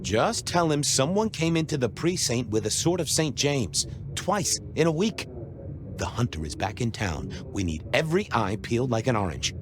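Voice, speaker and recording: An actor playing a persistent, courteous vampire police detective in a noir video game, with colorful old-fashioned phrasing. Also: male voice, medium pitch, big pitch swings, normal speed, background noise, natural voice. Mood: earnest, urgent.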